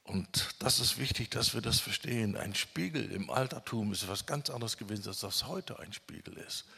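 Gravelly-voiced man preaching in a hall. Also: mid-range voice, lively intonation, pushed and bright. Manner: emphatic, stretches key words slowly in lists. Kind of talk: sermon. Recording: long reverb of a hall.

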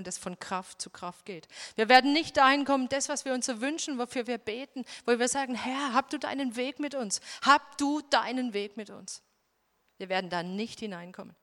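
A woman preaches with earnest emphasis and keeps filling pauses with a soft "ja." Her voice sits somewhat high. A long hall reverb trails every phrase, as if she were recorded in a large church room. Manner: earnest, emphatic, many "ja" fillers. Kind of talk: sermon with personal testimony.

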